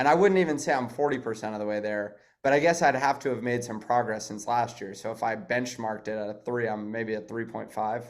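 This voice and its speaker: An unremarkable speaking voice from a man with an American accent, medium in pitch, with ordinary pitch variation and a fairly quick pace. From New York City. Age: 20s. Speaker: stand-up comedian. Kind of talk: casual chat.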